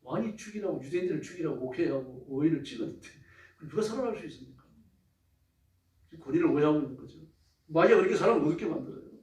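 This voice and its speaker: A man's voice: fairly high pitch, expressive, fast talker, darkish tone. A male pastor preaching a sermon with emphatic, rising exclamations. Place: church sanctuary. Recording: echoey church from a distance.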